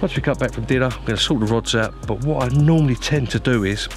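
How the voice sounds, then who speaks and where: A man's voice: mid-range voice, fast, soft background music. A man chatting casually to viewers as an angler presenting a vlog, informal and matey, giving practical advice.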